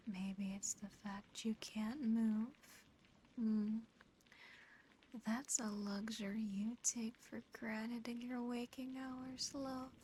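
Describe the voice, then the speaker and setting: A female demon played by a woman whispers close to the mic in a breathy, fairly high voice. She speaks extremely slowly, lingering over her words with taunting, condescending affection. It is an ASMR roleplay with faint ambient noise behind her. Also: a bit bright, low-quality recording. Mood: menacing teasing. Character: female sleep paralysis demon, teasing, condescending, darkly affectionate. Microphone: close ASMR microphone.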